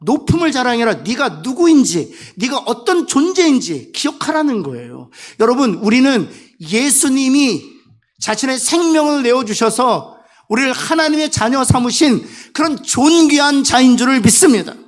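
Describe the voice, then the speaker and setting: A middle-aged man preaching a sermon as pastor, telling a personal story with emotion, dropping quiet and then rising to emphatic points. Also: very high voice, big pitch swings, moderate pace.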